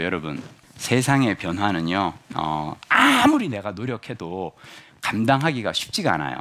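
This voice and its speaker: A man in his fifties gives a motivational lecture to an audience. His voice sits at an average pitch but leaps up and down all the time. He jokes and keeps putting questions to the listeners. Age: 50s. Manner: lively, jokey, asks the audience questions.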